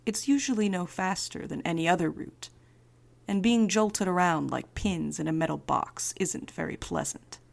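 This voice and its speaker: A woman acting as a wry night courier in an audio drama. Her voice sits low with a gravelly fry, and she delivers everything drily, with a defiant streak.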